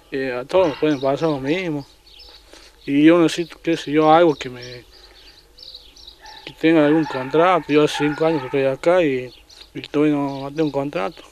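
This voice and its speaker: A man with an Argentine accent recounting events in a casual interview at home, halting and full of restarts. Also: a little high, a little hiss or hum. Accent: Argentine Spanish. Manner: halting, many restarts and repeated words. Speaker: traffic agent interviewed.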